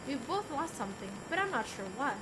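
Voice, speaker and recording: A woman's voice: high voice, very animated, fairly quick, noisy background. A woman streamer reading a visual novel aloud expressively, with casual asides. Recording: music under the voice. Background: game music.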